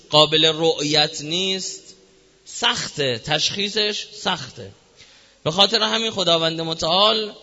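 A man preaching on scripture, speaking deliberately and posing rhetorical questions that he answers himself. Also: sits high, bright, forceful tone. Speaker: religious preacher. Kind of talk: sermon explaining scripture. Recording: echoey hall, dull lo-fi sound.

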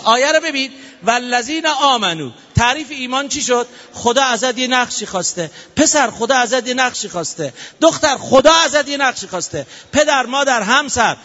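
A man preaches animatedly and playfully to a live audience and keeps prompting them to applaud. His voice is very high and bright. It carries a long hall reverb on dull, muffled audio. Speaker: religious speaker. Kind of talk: lively sermon to a live audience.

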